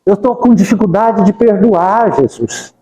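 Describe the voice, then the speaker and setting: Guy preaching at a spiritist center, high voice but mellow, fervent pleading prayers, hall echo. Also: lively intonation, unhurried. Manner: fervent, pleading, repeats the name of Jesus. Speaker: spiritist lecturer. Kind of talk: devotional talk with spoken prayers.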